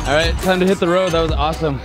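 A man's voice: on the high side, fairly even intonation, racing. A man in his thirties vlogging, enthusiastically describing and tasting street food at a busy outdoor night market. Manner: upbeat, enthusiastic narrating while tasting food. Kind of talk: casual travel vlog chat. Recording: loud music and crowd behind.

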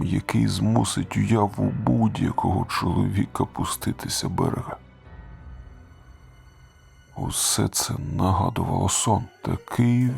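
Low gravelly man reading a spooky first-person tale, hushed, soft music behind. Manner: hushed, drops into whispers. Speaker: horror story narrator. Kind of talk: scripted first-person narration. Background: faint music.

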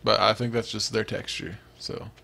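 A man's voice: fairly low pitch, little pitch movement, normal speed, vocal fry, sharp tone, husky. A young man giving casual, rambling, self-mocking commentary as he plays a farming video game. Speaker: let's play host.

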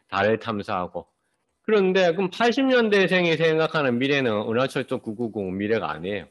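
A man in his fifties giving an online lecture over a webcam, explaining step by step and answering his own rhetorical questions. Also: medium pitch. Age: 50s. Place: small room, indoors. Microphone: webcam on a video call.

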